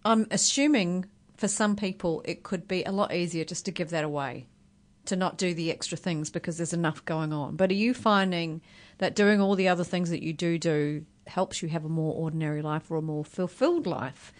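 A woman's voice: lowish voice, fairly even intonation, normal speed, few pauses. A woman hosts a radio interview. She asks her questions thoughtfully and reshapes them as she talks, feeling her way toward the point. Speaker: radio show host.

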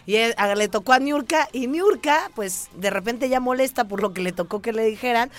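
A woman's voice: fairly high pitch, moderate pace. A woman with a Mexican accent co-hosting a gossip podcast, chatty and laughing often. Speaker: podcast co-host. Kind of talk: casual celebrity gossip chat.

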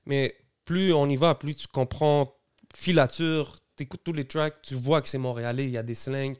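A man, a podcast co-host asking relaxed, curious questions. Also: mid-range voice, normal speed, clear, resonant tone. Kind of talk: casual podcast chat.

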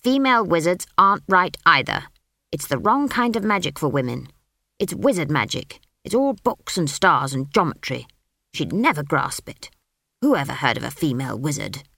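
A woman voicing a stern old country witch in an audiobook story, brisk, snapping and short-tempered. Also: lowish voice, sing-song, bright, forceful tone, no echo, studio quality, full character voice. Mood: angry, scornful.

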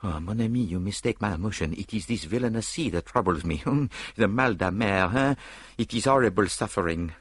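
A man voicing a fussy little Belgian detective with a put-on French accent, speaking in a high, theatrical way. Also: a little fast, husky, dry recording. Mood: queasy.

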